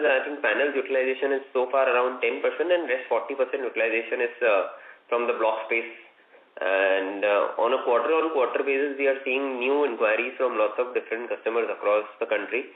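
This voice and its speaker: A man with an Indian accent, a company executive answering questions on an earnings call in a measured, explanatory way. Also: mid-range voice. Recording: roomy, dull conference call line.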